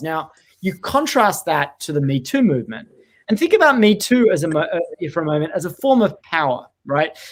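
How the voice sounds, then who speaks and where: Using very wide pitch swings, a man speaks in a high pitch with an American accent. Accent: Australian, moderated by years in New York. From Australia. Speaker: author and activist. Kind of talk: lecture. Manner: halting with many fillers and repetitions.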